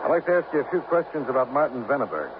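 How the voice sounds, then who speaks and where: A man's voice: medium pitch, very animated, very fast, close to an everyday voice. A man playing a terse, dry insurance investigator who narrates and questions in 1950s radio drama style on an old recording. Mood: probing. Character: hard-boiled male insurance investigator, dry. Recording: tinny old radio transcription, faint hiss.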